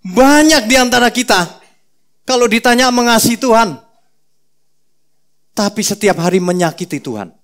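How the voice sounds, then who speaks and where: A man preaching a sermon as pastor, telling the story in a playful, animated way with many asides. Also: very high voice, normal speed, long pauses.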